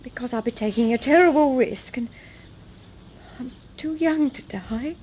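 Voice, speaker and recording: High-voiced, worried British hostess. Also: female voice, unhurried, darkish tone, a little hiss or hum. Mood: frightened. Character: worried, evasive young female nightclub hostess. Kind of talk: radio drama acting.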